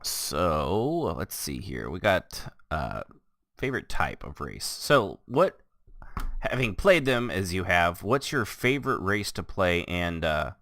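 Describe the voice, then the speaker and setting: A man hosting a casual gaming podcast, rambling and restarting his sentences, quick to laugh. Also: low voice, big pitch swings, bright, forceful tone. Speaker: podcast host. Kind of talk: casual chat.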